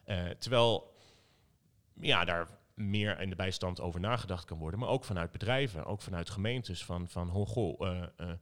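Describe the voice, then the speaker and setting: A man's voice: low-pitched, moderate pace, fairly bright tone. A Dutch man, a political candidate, talking in a casual panel with many fillers and restarts.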